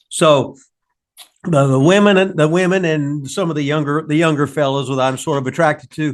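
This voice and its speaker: Fairly high-pitched, a man speaks at a moderate pace. His pitch varies in an ordinary way. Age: 60s. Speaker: wrestling trainer and podcast co-host. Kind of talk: casual interview chat. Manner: joking, halting with repetitions.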